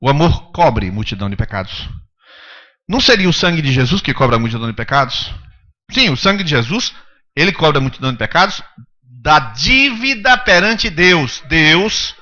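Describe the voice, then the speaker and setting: A man preaches to his congregation in a high, bright voice, driving his points home with emphatic rhetorical questions. The recording from the church service sounds dull and lo-fi. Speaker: pastor. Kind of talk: sermon.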